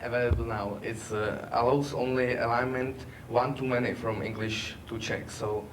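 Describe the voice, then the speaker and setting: A man giving a technical workshop presentation, halting with many fillers. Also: mid-range voice, level tone. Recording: distant mic, background noise.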